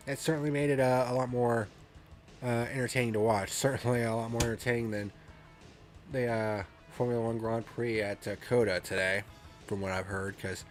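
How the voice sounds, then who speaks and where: Man, congested, blunt, profane, casual review host, mid pitch, faint music behind. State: congested from a cold.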